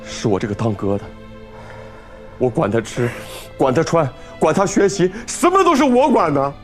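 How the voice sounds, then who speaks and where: A guilt-ridden young son in a TV drama, pleading with his father. His voice runs high and leaps up and down as he begs, raw and desperate. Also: big pitch swings, moderate pace, faint music behind. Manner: desperate, pleading, tearful outbursts. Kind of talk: TV drama acting.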